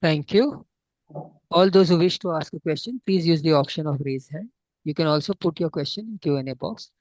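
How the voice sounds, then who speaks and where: Man, fairly high voice, formal call moderator, dry muffled audio. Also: a little fast, darkish tone, no room sound.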